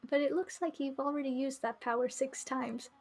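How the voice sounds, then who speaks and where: Woman doing a snide, high-pitched talking flower. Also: fairly even intonation, normal speed, darkish tone, faint music behind. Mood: taunting. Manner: sarcastic, taunting.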